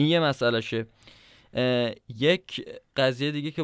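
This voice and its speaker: The man's is an unremarkable speaking voice. He keeps a moderate pace, and his pitch varies in an ordinary way. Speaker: film podcast host. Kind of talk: casual film review chat.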